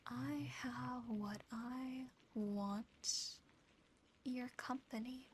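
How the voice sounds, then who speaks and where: A woman voicing an affectionate, possessive female demon in a soothing, intimate, softly teasing whisper for an ASMR roleplay. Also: a little high, fairly even intonation, extremely slow. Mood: possessive, tender. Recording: close whisper over clear background noise.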